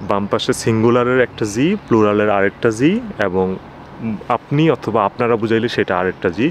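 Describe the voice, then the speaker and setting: A man's voice: medium pitch, slight background noise. Patient man teaching German pronouns. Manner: patient, repeats each word slowly, frequent "okay?" checks. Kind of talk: explanatory lesson with a chart.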